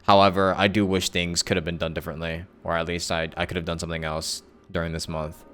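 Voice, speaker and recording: A man's voice: sits low, little pitch movement, fast talker, fairly bright tone. A man chatting casually as a live streamer, rambling and thinking aloud as he corrects himself. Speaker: live streamer and content creator. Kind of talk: casual livestream chat with viewers. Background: background music.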